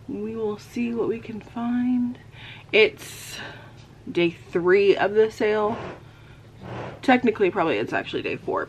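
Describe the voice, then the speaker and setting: A woman's voice: medium pitch, slight background noise, rough recording. Chatty woman rambling to camera. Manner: rambling, chatty, many fillers; talks while putting on makeup. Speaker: vlogger. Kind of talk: casual chat to camera. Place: bedroom at home. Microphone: camera on a desk in front of her.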